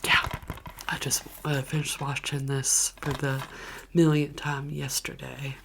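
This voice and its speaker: A woman softly whispering chatty, gushing movie recommendations as an ASMR vlogger. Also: very deep voice, flat delivery, measured pace, gravelly, background noise. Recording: keyboard clicks and typing behind voice.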